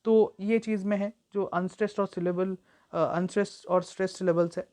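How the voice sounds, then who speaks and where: Brief: young woman tutor, mid-pitched voice, patient, repetitive explanations for exam students. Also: fairly even intonation, warm tone. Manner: reads English examples slowly and deliberately; explanatory, repeats points, frequent fillers. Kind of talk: exam-prep lecture mixing Hindi and English.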